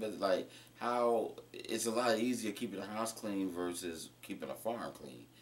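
Hardly pausing at all, a man speaks with ordinary pitch variation. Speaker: internet radio host, grandchild interviewer. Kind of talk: casual interview questions. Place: home room. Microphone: camera far.

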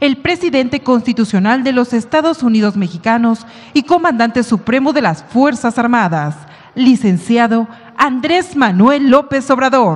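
The woman has a high-pitched voice. She speaks at a fairly slow pace. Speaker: ceremony announcer. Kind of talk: formal ceremonial announcement. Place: hall.

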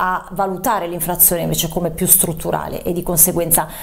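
A woman is speaking. Her pace is fairly quick. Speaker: news anchor. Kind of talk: news commentary. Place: studio.

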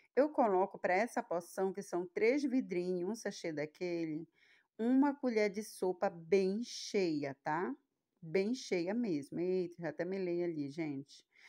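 A woman speaks with a dark, mellow tone. Her pace is fairly slow against a quiet background. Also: medium pitch for a woman, lively intonation. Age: 40s. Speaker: beauty and home remedy video creator. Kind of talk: tutorial.

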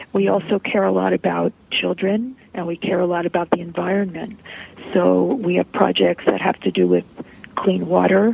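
A woman speaks at a moderate pace. There is noticeable background noise behind her. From Philadelphia, US (born in Poland). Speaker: travel company founder. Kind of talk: interview.

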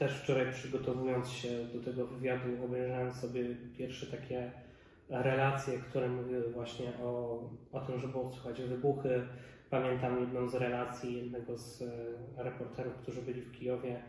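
With audible room echo and light background noise, a man of medium pitch speaks at a moderate pace in a flat, monotone way. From Poland. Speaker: local news interviewer. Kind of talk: interview. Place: office.

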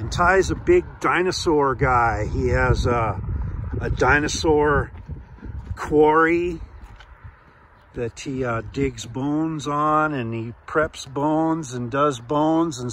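A man talks at a very slow pace with ordinary pitch variation. The sound is dry, with no echo. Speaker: vlogger visiting rock shop. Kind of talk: casual vlog chat. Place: open country. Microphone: phone near.

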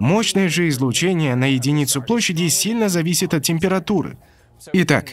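Against light background noise, a man with an unremarkable speaking voice talks at a moderate pace with lively intonation. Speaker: voice-over dubbing narrator. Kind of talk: scripted narration. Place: studio.

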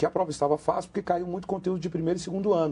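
A dark, mellow tone from a man pitched high. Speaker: essay-writing teacher. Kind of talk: live educational commentary. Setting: studio.

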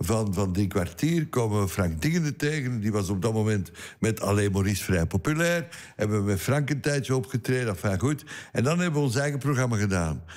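A man speaks at a fairly low pitch with a Flemish accent, his pitch swinging very widely. His loudness stays very even against a quiet background. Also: fairly quick pace. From Mechelen, Flanders, Belgium; Flanders, Belgium. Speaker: former radio presenter; radio presenter. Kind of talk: casual interview. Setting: studio. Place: studio. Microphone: studio mic.

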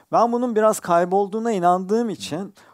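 At a fairly quick pace against a quiet background, a man speaks with lively intonation. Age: 40s. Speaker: director and photographer; guest. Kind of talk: panel talk. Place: hall. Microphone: headset.

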